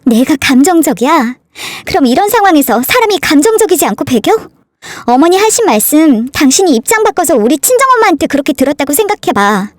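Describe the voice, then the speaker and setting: A woman's voice: sits high, big pitch swings, a little fast, no echo, studio quality, pitched above the performer's own voice. A woman voicing a furious young wife who indignantly fires back at her husband.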